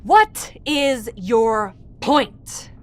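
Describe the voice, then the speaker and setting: A woman's voice: on the high side, expressive, drawn-out words, faint music behind. An actress playing a bossy, sarcastic woman in a comedy audio drama, exasperated and impatient. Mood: irritated. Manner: sardonic, impatient.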